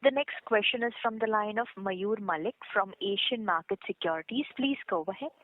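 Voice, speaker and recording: A woman's voice: mid-range voice, brisk, dry recording. A woman moderating a conference call over a phone line, making formal, scripted announcements. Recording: tinny phone line with faint hiss.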